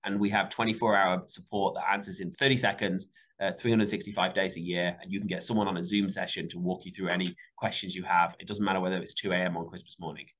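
Appearing as a guest, a Michigan-accented male CEO responds to interview questions with lots of energy, his voice leaping in pitch to emphasize key points.

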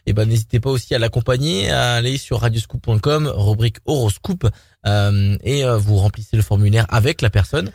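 A man's voice: mid-range voice, fairly quick, vocal fry, a little mellow, no room sound. A man hosts a radio phone-in and gives listeners instructions, stalling often with fillers. His voice is close and dry on a studio mic. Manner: hesitant, filler-heavy announcing. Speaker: radio host. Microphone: studio microphone.

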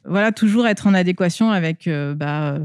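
Through a face mask, a woman on the school staff who works with companies and alumni answers interview questions conversationally, hesitating and halting often with filled pauses. Her voice is on the low side, a little mellow and smooth, captured in a dry, clean studio recording.

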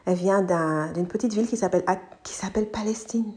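A middle-aged woman from Côte d'Ivoire, a native English speaker, hosting a podcast and telling her life story thoughtfully, pausing to search for words and dropping in English ones. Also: mid-range voice, mellow. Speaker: podcast host. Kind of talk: personal storytelling monologue.

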